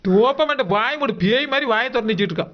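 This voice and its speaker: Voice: medium pitch, animated, fast talker, muffled recording, natural voice. A performer voicing a quarrelsome, scolding village woman in a cartoon, combative, with a southern Tamil Nadu accent. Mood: scolding, accusing. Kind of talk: Tamil cartoon character dialogue.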